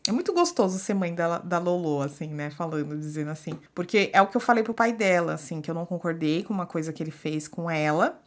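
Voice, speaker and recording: A woman's voice: lowish voice, fast talker, hardly any pauses. Chatty Brazilian mother talking casually. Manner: animated, expressive, acts out quoted people. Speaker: podcast host, mother. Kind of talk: casual chat.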